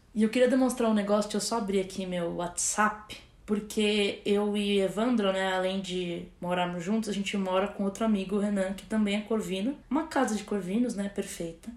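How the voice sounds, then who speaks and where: Noticeable background noise sits behind a woman who talks at a moderate pace and medium pitch, with fairly even intonation and hardly any pauses. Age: 20s. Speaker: podcast co-host. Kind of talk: casual chat. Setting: recording in the same room at home.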